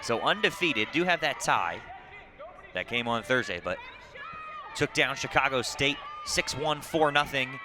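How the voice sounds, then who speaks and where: A man's voice: mid-range voice, lively intonation, unhurried. Male soccer play-by-play over crowd noise. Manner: short clipped calls of the action mixed with statistical recaps. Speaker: play-by-play sports commentator. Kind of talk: live TV soccer commentary. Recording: clearly noisy outdoor broadcast with crowd ambience. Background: crowd and outdoor ambient noise.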